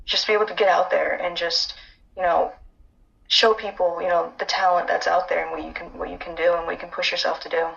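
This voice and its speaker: A woman's voice: on the low side, flat delivery, fast talker, gravelly, fairly bright tone, muffled recording. A young woman from upstate New York, a guest speaking earnestly on a casual call, rambling with fillers. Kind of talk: casual chat.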